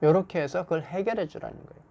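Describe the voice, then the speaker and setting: A man's voice: sits high, fast, mellow. A man lecturing on how to phrase things to workplace staff, explaining patiently and then acting out example lines in a raised voice. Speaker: salon staff communication instructor.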